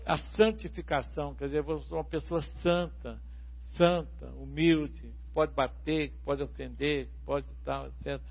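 Slightly high man explaining scripture, lo-fi. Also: fairly even intonation. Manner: measured, quotes scripture and explains it. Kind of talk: casual chat about faith. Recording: dull lo-fi recording.

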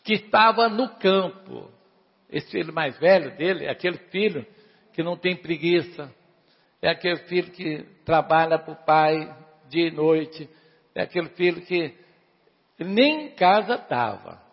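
A man preaching a sermon, animated, questioning his congregation and urging them to answer louder. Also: on the high side, unhurried, slightly rough, in a large hall, highs cut off. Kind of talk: sermon retelling a parable.

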